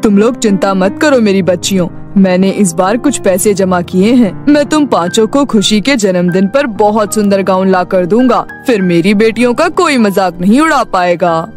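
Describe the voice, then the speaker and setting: A woman voicing a gentle, poor middle-aged father of five daughters in a cartoon story, tender and caring in manner. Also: mid-range voice, expressive, normal speed, hardly any pauses, faint music behind, voice pushed down, lightly acted. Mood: reassuring. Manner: tender, reassuring, apologetic. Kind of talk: cartoon story character acting.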